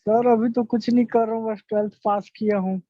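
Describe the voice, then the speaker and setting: A man's voice: high-pitched, steady tone, fairly quick, dry recording, lo-fi sound. A young man from Bihar, a session participant, giving short respectful answers on a video call. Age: young adult.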